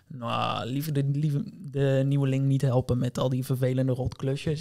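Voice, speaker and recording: A man's medium-pitched voice holds a monotone, flat intonation. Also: very clean recording, silent background. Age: 20s. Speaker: intern and podcast host. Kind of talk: casual chat.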